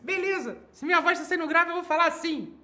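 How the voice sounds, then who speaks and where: A Brazilian man voicing a cheeky, defiant mock character in a thin, squeaky falsetto during a talk show. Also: a little fast, sharp tone, heavily acted. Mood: mocking defiance.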